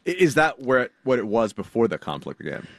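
A man's voice: mid-range voice, very animated, quick pace, no echo. A man hosting a radio news show, introducing a correspondent and asking questions with light banter. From California. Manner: smooth anchor delivery, light banter. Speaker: news host.

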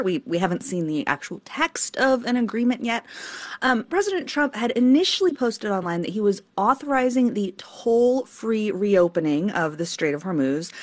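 Woman news reporter chatting on air, pitch moves around a lot, easygoing explainer. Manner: explanatory, conversational with small restarts. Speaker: energy correspondent. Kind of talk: radio news interview.

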